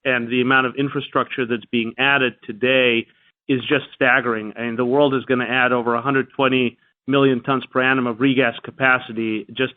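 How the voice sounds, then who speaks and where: A man answers as an executive on an earnings call, his delivery measured and halting. His pitch stays very even, and the sound is dry and tinny, squeezed through a phone line. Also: clear, resonant tone, no room sound. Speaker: company executive answering analysts.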